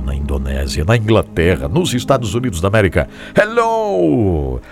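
Deep gravelly-voiced Brazilian radio host. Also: male voice. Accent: Brazilian Portuguese. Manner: animated and encouraging, repeats phrases. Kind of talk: devotional radio show, addressing listeners. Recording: music playing behind the voice.

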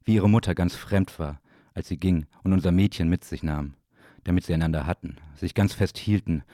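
Deep voiced guy doing a brooding spoken literary monologue, soft dark tone, super dry sound. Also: a little fast, no room sound. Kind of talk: literary audio play monologue, dramatic recitation.

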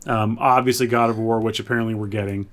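A man's voice: on the low side, fairly even intonation, quick pace, fairly bright tone. A man co-hosting a casual pop-culture podcast, talking like an enthusiastic fan and thinking aloud as he goes. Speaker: podcast co-host.

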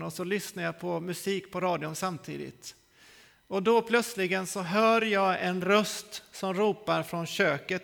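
A man in his forties preaching a sermon, telling his own story in a lively way and acting out the scenes. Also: high voice, gravelly. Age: 40s. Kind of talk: sermon testimony. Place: church hall. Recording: long hall reverb.

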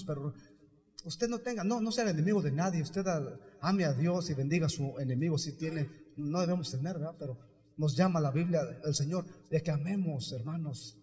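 A man preaching a sermon to his congregation, retelling a story with acted quotes, calling them brothers again and again, and building up to shouts. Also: a little high. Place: church. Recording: echoey hall with long reverb.

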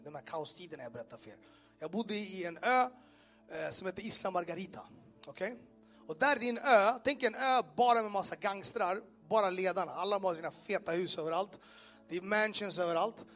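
A man telling his personal testimony to a live audience, animated, asking listeners questions and making sound effects. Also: high-pitched. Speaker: speaker giving a personal testimony. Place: in front of an audience in a room.

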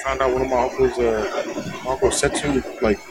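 A man talking casually on a podcast. His voice sits at an ordinary pitch, and his delivery is laid-back and full of fillers. There is a noticeable hiss behind him. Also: level tone, normal speed. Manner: laid-back, heavy on "bro" and "like". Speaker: podcast co-host. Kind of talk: casual chat.

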